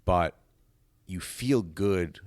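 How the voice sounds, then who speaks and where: A man's voice: low-pitched, very slow, darkish tone, no echo, clean studio sound. A man talking casually as a podcast guest, explaining his ideas in a rambling, emphatic, philosophizing way. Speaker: podcast guest, stage actor.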